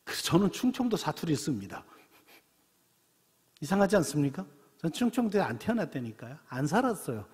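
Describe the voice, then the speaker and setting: Seoul-born pastor guy preaching, kinda high voice, jumps around a lot, asks the crowd stuff. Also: a little mellow, slightly rough. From Seoul, South Korea. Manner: chatty storytelling with rhetorical questions. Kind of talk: sermon. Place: church sanctuary. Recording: long church reverb.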